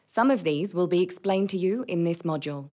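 A young woman delivers a scripted voice-over in a fairly low register. She is recorded close on a studio mic, reading in the manner of commercials and narration. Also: animated, brisk, dark tone. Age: young adult. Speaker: voice-over artist. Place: recording studio vocal booth, indoors. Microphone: large studio condenser with pop filter, close.

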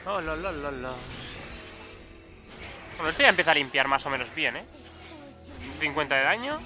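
Young male gaming YouTuber, Peninsular Spanish accent, high voice, game music clearly underneath. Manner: excitable, swearing, frequent loud outbursts. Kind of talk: live gameplay commentary.

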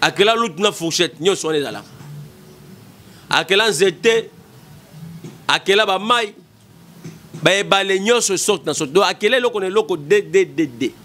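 Emphatic high-voiced Congolese man. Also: animated, moderate pace, pauses often, a bit bright, a little hiss or hum. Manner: emphatic, repetitive, gesturing. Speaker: political commentator. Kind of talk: impassioned political commentary. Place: small studio. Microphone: desk mic in front.

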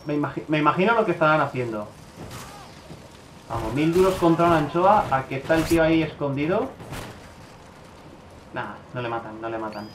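A man from giving casual commentary over his own gameplay, swearing a lot and breaking into loud outbursts. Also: on the high side, a little fast, pauses often, echoey room, a little hiss or hum, poor audio. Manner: swears often, bursts into excited outbursts.

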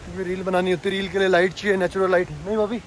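A man from Delhi vlogging casually outdoors in a rainy forest, chatty and excitable, chatting to the camera and to strangers. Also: high-pitched, racing, slight background noise. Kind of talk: casual travel vlog.

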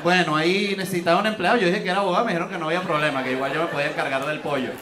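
A man's voice: on the high side, fairly even intonation, very fast, far from the mic. A man in his forties with a Venezuelan accent doing crowd-work stand-up comedy, teasing audience members in playful banter. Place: theater stage. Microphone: handheld microphone. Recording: roomy stage sound, audience noise.

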